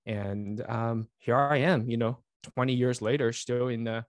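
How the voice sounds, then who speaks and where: A man's voice: medium pitch, steady tone, unhurried, dry recording, studio quality. A man in his forties who grew up in Taiwan, a native Chinese speaker, chatting as an interview guest in a friendly, rambling way with many fillers and restarts, talking over a remote call. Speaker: guest, network engineer and author. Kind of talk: casual interview chat.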